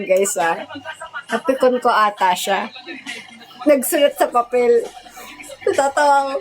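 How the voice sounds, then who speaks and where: A woman's voice: fairly high pitch, poor audio. A young woman hosting a casual livestream, telling stories in a rambling, giggly way full of fillers, into a phone mic. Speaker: livestream host.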